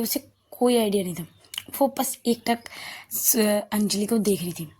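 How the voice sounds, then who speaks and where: A woman's voice: medium pitch, dark tone, husky. A young woman narrating a love story in a casual, chatty way, often correcting herself as she goes.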